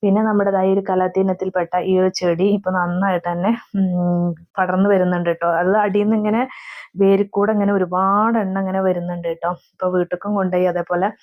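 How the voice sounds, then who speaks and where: A woman's voice: lowish voice, flat delivery, fairly quick. Chatty woman narrating her day. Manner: chatty, ends sentences with a soft tag word, many fillers. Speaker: mother and home vlogger. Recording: slightly dull lo-fi voice-over.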